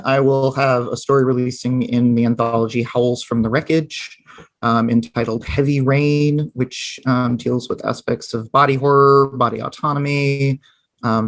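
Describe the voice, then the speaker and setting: A man speaking as a guest author on a podcast, easygoing and quick to laugh, with many ums. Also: medium pitch, no room sound. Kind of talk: casual podcast chat.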